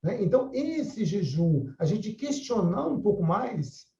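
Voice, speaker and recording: Animated older man teaching a class. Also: high-pitched, a little slow, roomy sound, highs cut off. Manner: conversational, frequent tag questions. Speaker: course mediator. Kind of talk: religious study class.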